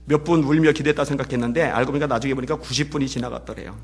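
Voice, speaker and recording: A man preaching as pastor, telling a story and swinging between hushed passages and loud, emotional peaks. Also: mid-range voice, fairly even intonation, rapid-fire, husky. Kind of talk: sermon. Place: church.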